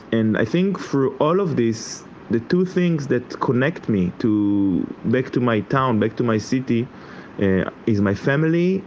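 A man's voice: lowish voice, a little mellow. A man, talking casually and hesitantly as a football fan guest. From Israel, Haifa. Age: 40s. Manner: conversational, hesitant, filler-heavy. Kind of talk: casual personal talk in English. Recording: muffled, lo-fi, clearly noisy ambient sound.

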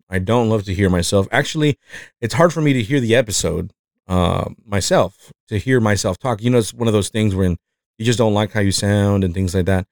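Man, low voice, mexican accent, rambling podcast host, dry sound. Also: a little mellow, no echo. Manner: rambling, self-reflective, many fillers and restarts. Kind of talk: casual podcast chat.

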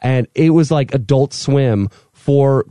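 A man's voice: mid-range voice, slow, mellow, dry recording, studio quality. A middle-aged man bantering casually and playfully as a podcast host. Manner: playful, joking.

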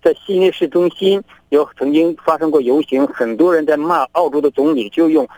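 Man from china, middle-aged, rapid speech, dry close sound, acts out arguments. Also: fairly high pitch, dry recording, poor audio. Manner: lively storyteller who acts out both sides of arguments. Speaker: interview guest, activist. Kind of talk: recounting events by remote link. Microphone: remote connection.

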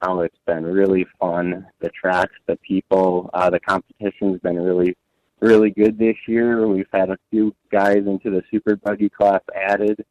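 A laid-back man answering interview questions over a phone line, pausing often with fillers as he talks about racing. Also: deep voice, level tone, a little mellow. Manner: laid-back, many "uh" fillers and trailing sentences. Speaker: off-road buggy racer guest.

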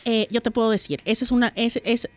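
A woman actress with a Mexican accent, talking as a guest in a casual interview, expressive and often restarting her sentences. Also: on the high side, quick pace, no echo. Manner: animated and expressive, with frequent restarts.

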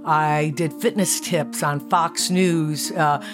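A woman's voice: deep voice, slow, music in the background. A woman being interviewed about her fitness career, speaking with enthusiasm and acting out what people said. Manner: enthusiastic, animated, acts out quotes. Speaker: guest, fitness studio founder. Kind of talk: conversational interview storytelling.

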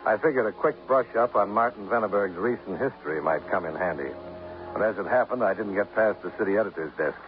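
Guy playing a wry investigator, kinda low voice, dry laconic delivery, fuzzy old radio sound. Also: fast talker, soft background music, natural voice. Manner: dry, laconic narration and questioning. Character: wry insurance investigator, grown man, cool. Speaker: narrator and lead. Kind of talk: 1950s radio drama narration. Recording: dull old radio broadcast with faint hiss.

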